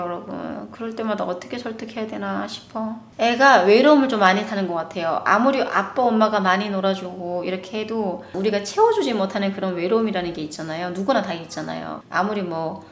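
A woman in her thirties from North Korea, a mother chatting emotionally with her viewers on a livestream. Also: medium pitch. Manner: chatty and emotional, often laughs, addresses viewers. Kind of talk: casual livestream chat. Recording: roomy echo.

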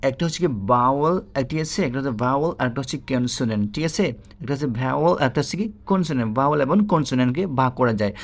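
A man's voice: medium pitch, racing. Bangladeshi guy teaching english sounds, repeats everything, keeps asking viewers if they got it. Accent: Bangladeshi Bengali. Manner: repetitive, checks in with "ঠিক আছে?"; addresses viewers directly. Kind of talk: spoken English lesson.

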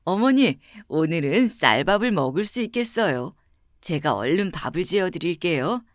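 A naive young peasant bachelor, played by a woman in a bedtime storybook. His voice is pitched lower than the teller's own and sounds earnest and simple. It is recorded close and dry. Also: sing-song, moderate pace, dry recording. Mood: cheerful, naive.

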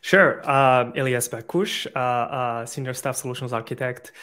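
A man's voice: medium pitch, fairly even intonation, moderate pace, sharp tone. Chatty man on a video call. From Morocco. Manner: loose, thinking aloud with many fillers and restarts. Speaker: guest, solutions architect. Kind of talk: casual interview over video call.

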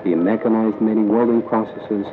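A man narrating a documentary script in a measured, even reading. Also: lowish voice. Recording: tinny lo-fi audio with music underneath. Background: music bed.

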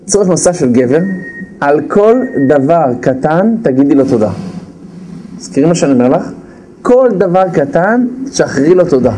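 A man with a fairly high pitch gives a humorous lecture on marriage to a live audience, who can be heard in the background. He's animated, acting out spouses' lines in quick put-on voices and repeating key phrases for emphasis. The audio is poor, with a little hiss or hum.

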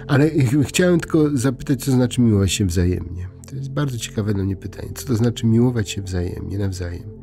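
Gravelly, mellow-voiced priest musing at bedtime. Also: male voice, lowish voice, lively intonation, faint music behind. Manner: unhurried, conversational, many hesitations and restarts. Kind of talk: informal bedtime reflection.

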